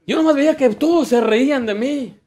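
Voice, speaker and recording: A man's voice: very high voice, a little fast, darkish tone. A man preaching a sermon as pastor, fervent and full of personal work stories. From United States.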